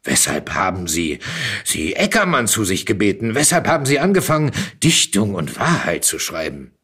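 A man's voice: lowish voice, huge pitch swings, moderate pace, a bit bright, slightly rough, full character voice. A man voicing a bitter, argumentative dead writer in a literary reading, with a pointed, combative delivery. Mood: challenging.

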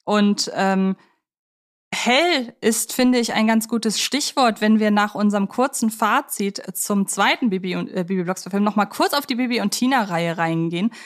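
A woman's voice: medium pitch, normal speed. A woman co-hosting a film analysis podcast, talking conversationally in a reflective, articulate way. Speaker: podcast co-host.

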